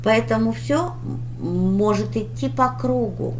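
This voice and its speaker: A woman reading tarot for her viewers in a deliberate, instructive manner, with pauses and emphatic advice. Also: a little high, noisy background. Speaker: tarot reader hosting her channel.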